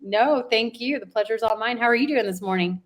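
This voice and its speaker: A woman's voice: on the high side, a little fast. A woman hosting a business interview show, encouraging and enthusiastic with her guest. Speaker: podcast host, interviewer.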